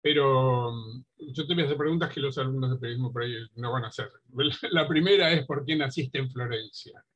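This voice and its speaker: Older argentine guy hosting a video call chat, a bit raspy, dull muffled webcam sound. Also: medium pitch, a little fast, a bit bright. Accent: Argentine Spanish. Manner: friendly, brief affirmations. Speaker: host and interviewer. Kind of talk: casual interview questions. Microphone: laptop webcam on a video call.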